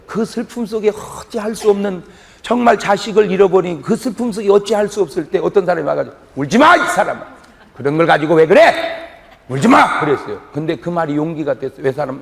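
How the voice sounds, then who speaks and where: A man preaching a sermon as pastor, telling stories with loud emphasis and quiet asides and asking the congregation questions. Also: fairly high pitch, creaky, long reverb tail. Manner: lively storytelling, swings between loud emphasis and quiet asides.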